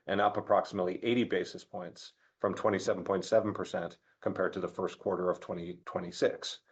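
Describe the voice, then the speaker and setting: A man reading a scripted corporate financial presentation as a finance chief, in a formal, measured manner. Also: on the low side, vocal fry, slightly rough. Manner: formal, measured delivery of figures. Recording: dull, lo-fi conference call audio.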